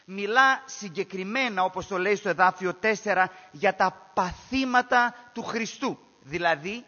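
A man's voice: high voice, bright, forceful tone, in a large hall, muffled recording. A man preaching a sermon in an emphatic way, repeating key phrases and asking rhetorical questions.

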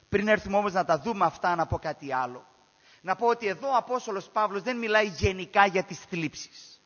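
A man's voice: sits high, fairly bright tone, big-room sound, highs cut off. A man preaching a sermon in an emphatic way, repeating key phrases and asking rhetorical questions.

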